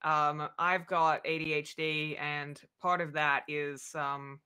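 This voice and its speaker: A woman speaks candidly as a writer on a video-call panel. Her voice is quite deep for a woman, with a bright, crisp edge. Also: little pitch movement, takes it slowly. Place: indoor room, video call.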